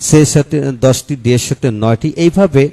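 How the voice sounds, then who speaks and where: A male English teacher talks his viewers through a study book, chapter by chapter. His voice is mellow and warm, and he keeps a steady listing rhythm, calling his listeners friends. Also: medium pitch, fairly quick. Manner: steady listing, repeated set phrases, frequent "ah" fillers.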